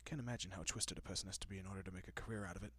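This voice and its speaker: Speaking very fast in a dry recording with no echo, a man plays a polite vampire gentleman in an intimate audio roleplay. His voice is low, husky, soft and breathy, frequently dropping to a whisper, and his calm, apologetic manner soothes and reassures with old-fashioned tenderness and a hint of quiet possessiveness.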